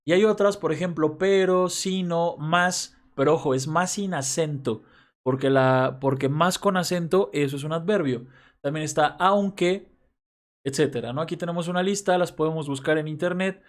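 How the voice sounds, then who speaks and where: A man's voice: a little high, moderate pace. A man giving a casual grammar lesson, talking conversationally and often checking in with his listeners. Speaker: teacher.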